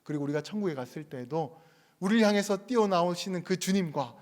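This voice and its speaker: A man's voice: high voice, animated, quick pace, in a large hall. A male pastor preaching a sermon, chatty and storytelling at first, then earnest and urging. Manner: conversational storytelling, rising to earnest exhortation. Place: church sanctuary.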